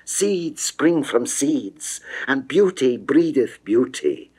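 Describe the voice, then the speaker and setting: A man's voice: medium pitch, animated, dark tone, husky, voice pushed up. A man voicing an ardent, coaxing and imperious goddess of love in a theatrical classical verse reading from the 1960s. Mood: persuasive, urgent. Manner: theatrical, caressing, drawn-out verse delivery. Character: seductive, lovesick goddess Venus, ardent, coaxing, imperious female.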